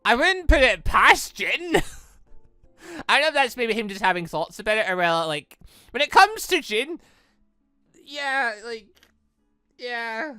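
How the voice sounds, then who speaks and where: A gaming host with a bright, lively voice that swings widely in pitch. The delivery is casual and rambling, full of animated exclamations. The sound is close and dry, with music underneath. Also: slow, long pauses, clean tone, dry recording. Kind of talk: casual playthrough commentary, reading visual novel dialogue aloud.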